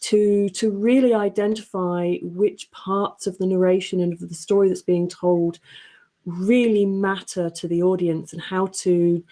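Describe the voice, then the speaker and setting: A woman speaking as a panelist, explaining her editorial work in an articulate, earnest, measured way. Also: fairly low pitch, mellow. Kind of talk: considered panel discussion talk.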